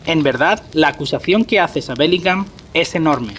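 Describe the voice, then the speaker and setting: A sensible concerned friend in an audio drama, highish voice, bit of noise behind. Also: male voice, expressive, moderate pace, a bit bright. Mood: sceptical, calm. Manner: formal, reasoning.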